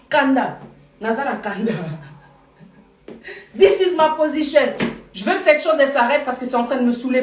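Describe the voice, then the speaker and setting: A woman's voice: fairly high pitch, reverberant, recorded from a distance. A woman live-streaming to her followers in Paris, talking casually and emphatically, repeating her points for force. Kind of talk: casual live chat, mixing French and Lingala.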